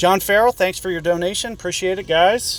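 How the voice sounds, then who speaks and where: A man talks with an American accent while music plays in the background. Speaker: mobile game streamer. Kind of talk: live gameplay commentary. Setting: live stream. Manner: casual, with filler hesitations.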